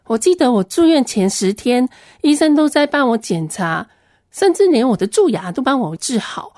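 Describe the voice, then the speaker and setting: High-voiced woman. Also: big pitch swings, moderate pace, darkish tone, no room sound, clean studio sound. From Hong Kong. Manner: earnest, plain storytelling. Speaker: Christian ministry worker giving a testimony. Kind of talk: personal testimony storytelling.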